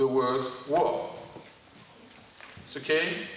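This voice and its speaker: A man talks at a very slow pace. Noticeable background noise and audible room echo fill the recording. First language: Greek. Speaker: lecturer. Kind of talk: lecture.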